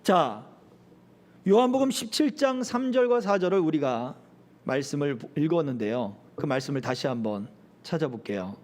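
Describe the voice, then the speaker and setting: A middle-aged man preaching a sermon as pastor, animated, acting out quoted voices as he goes. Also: fairly high pitch, moderate pace.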